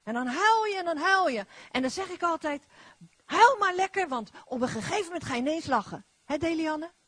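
A middle-aged woman preaching a lively charismatic sermon, exclamatory and repeating her phrases. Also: sits high, brisk, no room sound. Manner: animated, exclamatory, repetitive phrasing.

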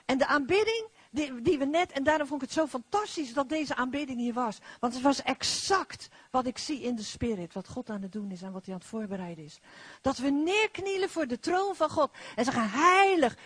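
High, animated woman preaching. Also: brisk, breathy edge, dry recording. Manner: animated, exclamatory, repetitive phrasing. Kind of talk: lively charismatic sermon.

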